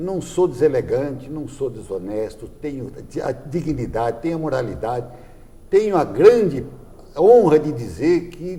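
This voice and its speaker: A man's fairly high voice with vocal fry, a dark, mellow tone and a fairly slow pace. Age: 70s. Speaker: lawyer and former city councillor. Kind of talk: interview.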